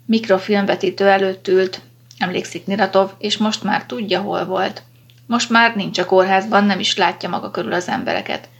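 A woman narrating a science fiction story in a steady, measured audiobook reading. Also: mid-range voice, vocal fry, highs cut off.

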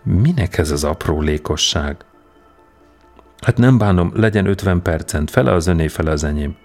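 A man doing a smug, fast-scheming con man, mocking and sure of himself, pitched a little higher and louder than the narrator. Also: animated, soft background music. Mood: sly, mocking. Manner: mocking, self-assured, brisk. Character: cocky young male con man, smooth-talking.

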